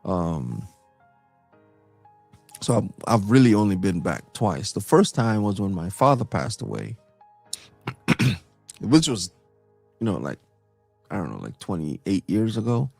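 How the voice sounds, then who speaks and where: A middle-aged man from Trinidad with a Trinidadian accent, chatting casually as co-host, animated and quick to laugh, with plenty of fillers and restarts. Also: on the low side, creaky, husky, dry recording, soft background music. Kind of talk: casual chat.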